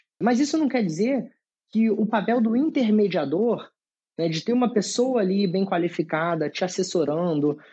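A man with a Carioca accent speaks at a moderate pace in a high, dark and mellow voice. His intonation is lively, his loudness very even, and the background is quiet. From Rio de Janeiro, Brazil. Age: young. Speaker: startup founder and CEO. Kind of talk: interview.

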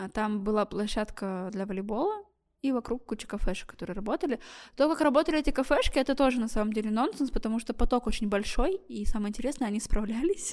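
Racing at a very fast pace, a woman speaks at a fairly high pitch with lively intonation. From Amur Oblast, Russia. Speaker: festival participant, library employee. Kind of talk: casual interview chat.

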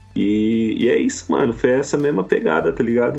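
With music in the background, a man of medium pitch talks at a fairly quick pace. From São Paulo, Brazil (south zone). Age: 20s. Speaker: tattoo artist and customer service worker. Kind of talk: casual chat.

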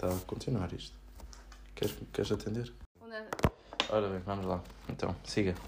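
With a European Portuguese accent, a man speaks at a moderate pace, taking long, frequent pauses over noticeable background noise. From Portugal. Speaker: podcast co-host. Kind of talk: casual chat.

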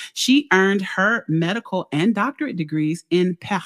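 In an American accent, the speaker has an animated tone and lively intonation at a moderate pace, with a dry, close sound with no echo on a very clean recording with a silent background. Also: woman. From Chicago, US Midwest. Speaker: neurologist and show host. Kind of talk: casual interview chat.

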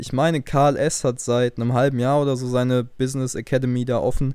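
This is a man's voice at medium pitch. The tone is dark and mellow. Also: very clean recording, silent background. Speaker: fitness podcast host and personal trainer. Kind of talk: solo podcast monologue. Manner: casual with many filler sounds.

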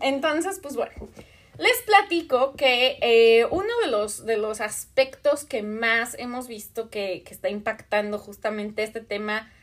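A woman's fairly high, animated voice at a fairly slow pace with ordinary pitch variation, on a very clean recording with a silent background. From Mexico. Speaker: podcast host and study-abroad advisor. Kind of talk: live-stream casual chat with viewers.

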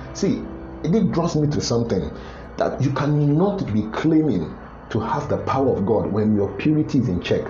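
Over music in the background, a man with a fairly high pitch speaks at a moderate pace with very wide pitch swings. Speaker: podcast Bible teacher. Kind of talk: sermon. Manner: preachy, emphatic with repetitions.

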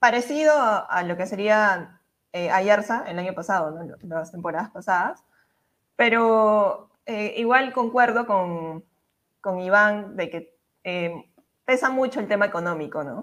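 Speaking very slowly at a medium pitch, a woman uses lively intonation and big swings in loudness in a very clean recording with a silent background. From Lima, Peru. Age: 20s. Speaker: medical student and football panelist. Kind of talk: casual chat.

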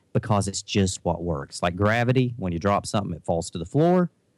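At a moderate pace, a man speaks at a fairly low pitch in a very clean recording with a silent background. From southeastern Kentucky, rural. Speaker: personal trainer. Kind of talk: casual interview. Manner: animated, laughs often.

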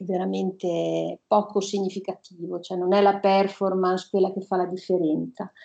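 A woman is speaking. Her pitch is medium. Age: 50s. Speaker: yoga teacher. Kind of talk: interview. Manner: halting, with frequent word repetitions.

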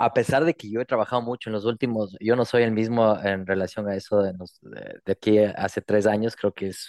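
This man speaks with a fairly low pitch and a dark, mellow tone at a moderate pace. The sound is dry and close with no echo, over a quiet background. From Ecuador, small town. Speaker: interview guest. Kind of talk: personal testimony interview.

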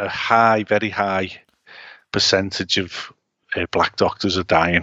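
A man with a Liverpool accent, fairly low in pitch, at a fairly slow pace with fairly even intonation. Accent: Liverpool (Scouse). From Liverpool, England. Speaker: podcast owner. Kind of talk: casual banter chat.

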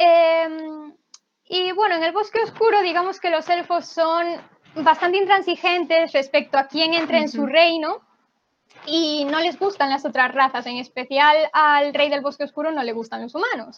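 A woman's extremely high voice at a moderate pace with ordinary pitch variation. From Galicia, Spain. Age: 20s. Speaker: novelist. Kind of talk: interview.

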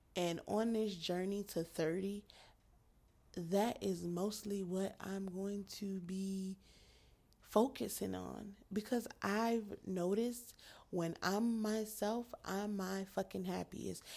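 Her voice is dark and mellow at a medium pitch for a woman. She speaks very slowly with fairly even intonation. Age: 20s. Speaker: podcast host. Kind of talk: solo monologue. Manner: casual, halting with fillers.

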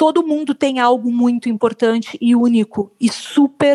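A dark, mellow tone comes at a fairly slow pace, with a dry, close sound and no echo. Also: woman. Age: 40s. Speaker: author. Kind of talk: interview. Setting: video call.

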